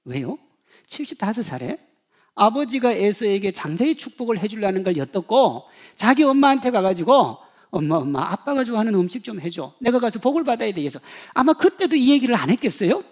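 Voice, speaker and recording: A pastor in his fifties preaches a sermon in a high, very animated voice at a slightly fast pace. He swings between loud emphasis and hushed asides and acts out the voices he quotes.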